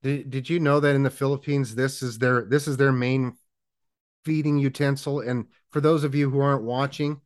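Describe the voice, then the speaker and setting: A man co-hosting a podcast, telling stories in a dry, deliberate way. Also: mid-range voice, fairly even intonation, clear, resonant tone, no room sound. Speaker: podcast co-host. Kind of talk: casual chat.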